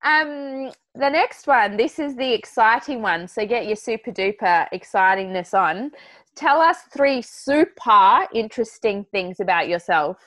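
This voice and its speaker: A woman's voice: a little high, animated, unhurried, a bit bright. A woman co-hosting a podcast, bubbly and teasing as she puts questions to her guest. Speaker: podcast co-host. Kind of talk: casual interview chat.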